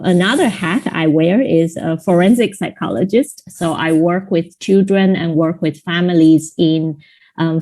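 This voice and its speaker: A woman lecturer speaks on a video call with a low, mellow voice. She introduces herself and her research in a measured way, pausing often on ums and uhs. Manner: measured, with frequent um and uh. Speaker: psychology lecturer, guest speaker. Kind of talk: online seminar introduction. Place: home, visiting another city.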